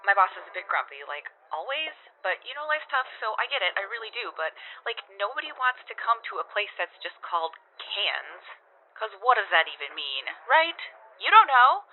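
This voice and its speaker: Actress as chatty woman shop worker, perky, self-congratulating, very lively pitch, radio drama, thin band-limited transmission. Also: moderate pace, narrow, tinny audio, a little hiss or hum, natural voice. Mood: bubbly, rambling. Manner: perky, rambling, conversational. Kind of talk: rambling amateur radio ad.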